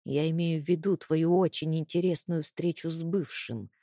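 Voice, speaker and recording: A woman voicing a cruel, jealous husband who speaks through clenched teeth, low and seething. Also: steady tone, moderate pace, warm tone, no echo, studio quality.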